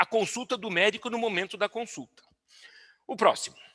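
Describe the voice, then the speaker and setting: A man projects a raised voice at an extremely high pitch, with a bright, sharp tone. The sound is dry and close with no echo, and the background is quiet. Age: 60s. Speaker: physician. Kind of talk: presentation.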